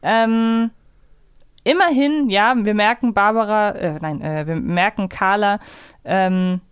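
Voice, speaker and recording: A woman talks as a podcast co-host in a casual, analytical way. Her voice is smooth and clear, mid-pitched, and recorded dry and close. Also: slow pace, dry recording, dull audio. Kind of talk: casual analytical fan discussion.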